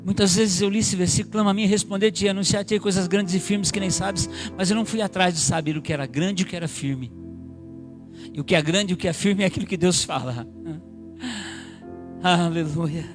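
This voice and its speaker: Male pastor, high-pitched, preaching with rising emphatic repeats over faint music. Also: a little fast. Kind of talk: sermon. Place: church.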